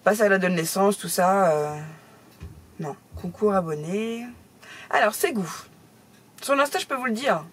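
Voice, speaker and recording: A woman's voice: mid-range voice, lively intonation, a little slow, pauses often, breathy edge. Chatty laughing woman vlogger. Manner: chatty, laughs often, exclaims. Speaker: craft YouTuber opening fan mail. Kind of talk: casual chat to camera.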